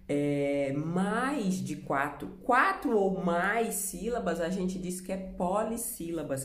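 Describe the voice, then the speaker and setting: A woman's voice: lowish voice, reverberant. A Brazilian woman teaching a remote lesson for children, patient, explaining step by step and asking the class questions. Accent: Brazilian Portuguese.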